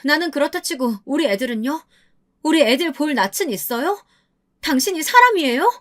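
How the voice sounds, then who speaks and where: A woman acting out a betrayed middle-aged wife who confronts her cheating husband. She pleads and accuses in a raised, high, strained voice throughout this storybook scene. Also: lively intonation, fairly quick. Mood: reproachful. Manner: reproachful, pleading.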